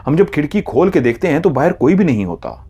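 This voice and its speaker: A man narrating a horror story in a slow, hushed, dramatic way. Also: on the high side, sing-song, husky.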